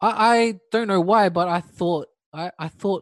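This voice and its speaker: The speaker has a New Zealand accent, recorded with a dry, close sound with no echo. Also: man. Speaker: DJ and hip hop artist. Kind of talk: casual chat, interview. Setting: video call.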